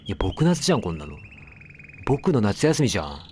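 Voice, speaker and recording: A man's voice: lowish voice, very animated, brisk. A man giving casual let's play commentary, chatting to the game and its characters as he plays. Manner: chatty, talks back at the game, apologizes for noise.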